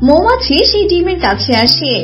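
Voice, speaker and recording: A woman's voice: extremely high pitch, sing-song, moderate pace, lo-fi sound, soft background music. A woman narrating a scripted children's story.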